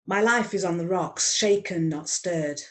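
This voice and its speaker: A woman's voice: on the low side, a little slow. A woman in her fifties reading her own punning poem aloud with a wry delivery, over an online call. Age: 50s. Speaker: poet. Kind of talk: poetry reading. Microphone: online video call.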